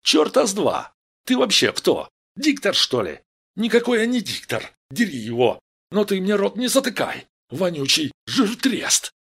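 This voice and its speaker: A man voicing a loud gang of young male thugs who shout and swear. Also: high-pitched, huge pitch swings, moderate pace, vocal fry, few pauses, husky, pitched above the performer's own voice, heavily acted. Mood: bickering.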